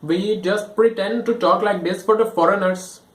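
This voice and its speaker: Indian-accented man played by a young man, exasperated, loud, raised pitch. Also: steady tone, moderate pace, far from the mic, lightly acted. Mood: insistent. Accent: Indian English. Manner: loud and insistent. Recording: echoey room.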